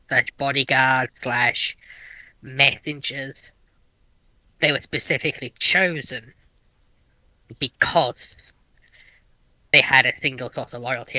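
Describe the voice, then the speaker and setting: A man on an informal discussion panel, explaining his points in a somewhat halting way. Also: mid-range voice, fairly even intonation, sharp tone, no echo, low-quality recording.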